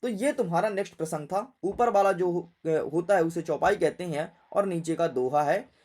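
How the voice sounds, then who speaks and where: A male teacher giving a classroom literature lesson, talking straight to his students and firing quick check questions at them. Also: sits high, darkish tone.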